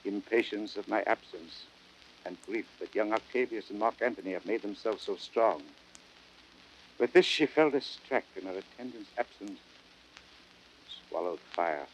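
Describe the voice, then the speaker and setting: An actor playing a proud, stern, honour-bound Roman general, declaiming measured verse in a classical Shakespearean audio drama. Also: male voice, lowish voice, lightly acted. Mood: grieving, restrained. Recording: noisy vintage drama record.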